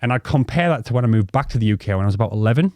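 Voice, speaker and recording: A man's voice: mid-range voice, animated, very fast, darkish tone, no echo. A man in his thirties from North East England with a North East accent, co-hosting a podcast and telling life stories in a rambling, swearing way, full of ums and restarts. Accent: North East English. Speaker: podcast co-host. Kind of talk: casual storytelling chat.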